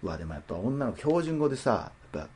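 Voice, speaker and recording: Twenties Kansai man, podcast co-host; quick, husky, pitch all over the place. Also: sing-song, darkish tone. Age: 20s. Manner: teasing, reads listener mail aloud. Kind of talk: casual chat.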